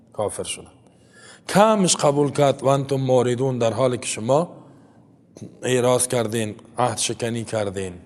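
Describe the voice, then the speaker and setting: The lesson comes from a large hall, where a man with an Afghan Dari accent and a darkish, medium-pitched voice gives Quran commentary. He recites Arabic verses before explaining them plainly and conversationally, asking rhetorical "right?" along the way.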